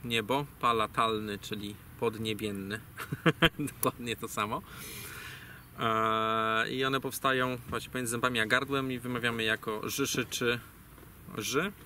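A man's voice: mid-range voice, flat delivery, a little slow, bright, forceful tone. A man giving a rambling, digressive explanation in casual talk, full of fillers and self-corrections. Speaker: guest speaker on language origins. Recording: distant mic, faint ambient noise.

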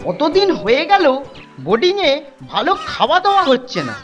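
A woman as a cheeky, high-voiced schoolboy. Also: very animated, a little fast, music in the background. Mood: teasing, grumbling. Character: cheeky, teasing boarding-school boy. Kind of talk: cartoon voice acting.

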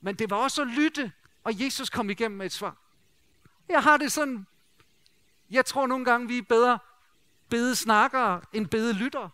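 A middle-aged man preaching a sermon in a lively, conversational way, joking and asking the congregation rhetorical questions. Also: extremely high pitch, pauses often, dry recording. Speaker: pastor.

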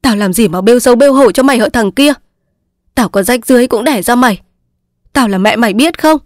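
An old village mother with a sharp tongue, scolding bluntly and holding her ground, read by a woman narrator. The voice is dry and close, with no room around it. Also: medium pitch, fairly even intonation, moderate pace, no echo, natural voice. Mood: furious.

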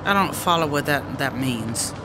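An actor playing a skeptical American traveler in a radio drama, needling and dry, with an American accent. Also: male voice, medium pitch, normal speed, music in the background, lightly acted. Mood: skeptical, sardonic.

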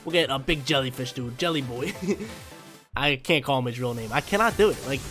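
A man's voice: medium pitch, expressive, normal speed, fairly bright tone. A young man with a stuffy, nasal voice from allergies, giving hyped, slangy commentary over his own video game battles from a small room at home. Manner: hyped, slangy, talks to himself about moves. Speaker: gaming YouTuber. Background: faint game music.

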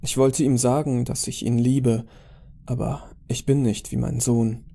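A man's voice: mid-range voice, flat delivery, unhurried, gravelly, mellow, husky. A man narrating a scripted horror story in a dramatic style.

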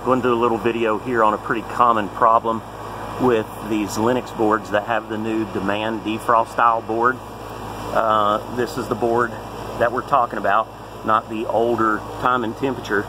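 Low-voiced man giving a repair tutorial. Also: little pitch movement, moderate pace, background noise. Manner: plain-spoken, folksy and practical. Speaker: HVAC technician. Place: outdoors beside a heat pump unit.

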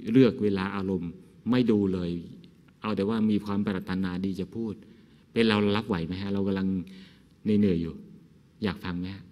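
Soft-voiced Thai monk in a reverberant hall. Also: male voice, fairly low pitch. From Thailand. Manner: gentle, conversational, asks rhetorical questions; frequent soft laughs. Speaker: Buddhist monk. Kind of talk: dhamma talk.

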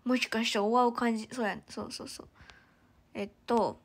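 A woman's voice: a little high, fairly even intonation, fairly quick, breathy edge. A young woman chatting casually on a live stream, giggling and thanking viewers one by one.

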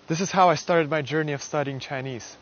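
A young man from Russia, a university student, giving an earnest, measured prepared speech to camera on a lapel mic, outdoors on a garden stage at night. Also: a little high, muffled recording. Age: young adult.

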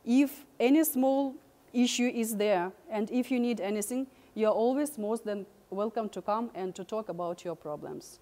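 A middle-aged woman speaks to students in an encouraging, reassuring way. Her voice is mellow and a little high, and it rings in a big reverberant hall. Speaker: university staff member addressing students. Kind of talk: informal speech to students. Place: large library hall full of students. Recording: long reverb in large room.

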